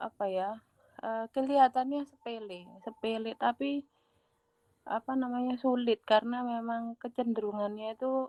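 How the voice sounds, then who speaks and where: A woman with a Javanese accent speaks at a fairly high pitch with fairly even intonation, in a dry, close sound with no echo. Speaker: online class participant. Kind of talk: testimony. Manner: halting, many fillers.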